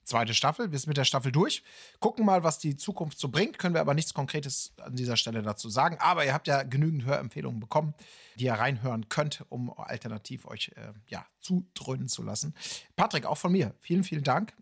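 Male co-host. Creaky, gravelly medium voice, casual chat. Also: medium pitch, lively intonation, fairly quick, fairly bright tone. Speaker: podcast co-host.

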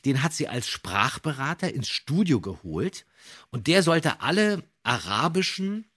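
A man with a husky, slightly rough voice co-hosts a podcast. His pitch swings widely as he tells the story, leaning on key words to build suspense. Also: sing-song, a little slow, a bit bright. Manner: dramatic emphasis, builds suspense. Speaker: podcast co-host. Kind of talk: animated storytelling, podcast talk.

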